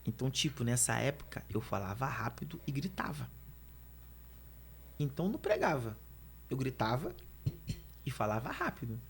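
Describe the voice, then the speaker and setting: A man with a Brazilian Portuguese accent, a guest preacher telling his story fast, with stumbling restarts. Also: mid-range voice, sing-song, vocal fry, breathy edge. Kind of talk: animated storytelling in conversation.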